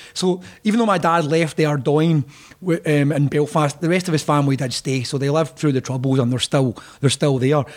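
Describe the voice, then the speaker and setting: With a Glaswegian accent, a man talks at a fairly quick pace in a fairly high voice, his loudness very even and his pitch varying in an ordinary way. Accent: Glaswegian Scottish. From Scotland, Glasgow East End. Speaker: novelist and musician. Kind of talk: casual chat.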